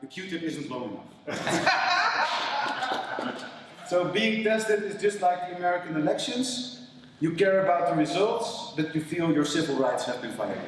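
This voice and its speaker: A man doing an amateur stand-up set with slow, deadpan delivery. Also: on the high side, heavy background noise. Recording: echoey hall, distant mic, crowd.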